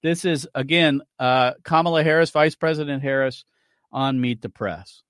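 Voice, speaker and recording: A man's voice: mid-range voice, moderate pace, fairly bright tone, clean tone, no room sound, studio quality. A man hosting a radio talk show, giving opinionated, argumentative commentary and cueing clips to play.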